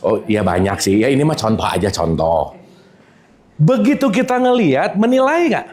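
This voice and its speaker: A man's voice: medium pitch, moderate pace. A man giving an informal spiritual lecture to a live audience, quizzing them as he goes. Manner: lively, keeps quizzing the audience. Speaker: religious teacher.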